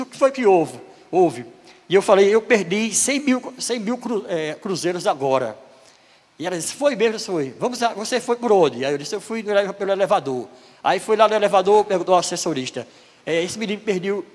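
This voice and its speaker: High-voiced preacher. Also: male voice. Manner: storytelling, hesitant restarts. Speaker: presbyter preaching. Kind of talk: sermon testimony. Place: church hall. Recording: reverberant church hall.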